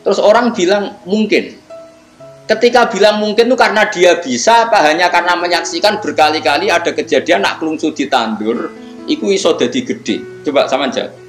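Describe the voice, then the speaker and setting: A man's voice: high voice, fairly quick, echoey room, soft background music. A middle-aged man with a Javanese accent giving a religious lecture, putting questions to his listeners and answering them himself. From Central Java, Indonesia. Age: 50s. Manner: switches between Indonesian and Javanese, asks the audience questions and answers them. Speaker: Islamic preacher.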